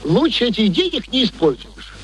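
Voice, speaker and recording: An actor playing a wheedling, shameless middle-aged working-class rogue, theatrical and ingratiating, in a radio play. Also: male voice, very high voice, big pitch swings, normal speed, a bit bright, slightly rough, exaggerated voice.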